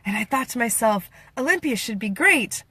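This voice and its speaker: A woman's voice: a little high, animated, moderate pace, pushed and bright, slightly rough, dry recording. A woman from the United States chatting playfully in a casual vlog, laughing often and acting out what others said. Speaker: vlogger. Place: Washington State.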